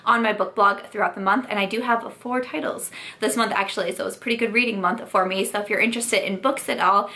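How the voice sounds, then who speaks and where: A woman's voice: medium pitch, fairly even intonation, quick pace, bright, forceful tone. Chatty woman vlogger with a sore throat. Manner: chatty, frank, filler-heavy with likes. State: losing her voice from a sore throat. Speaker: beauty vlogger. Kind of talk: casual product review.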